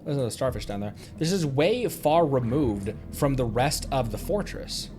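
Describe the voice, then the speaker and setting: A man's voice: mid-range voice, expressive, moderate pace, over music. A man casually commenting as he livestreams a video game, musing aloud to himself.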